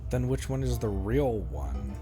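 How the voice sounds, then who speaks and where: A man's voice: fairly low pitch, very animated, a little slow. Casting: male streamer, casual gameplay reactions, very varied intonation, unrushed delivery. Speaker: game streamer. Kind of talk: casual live gameplay commentary. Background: game music.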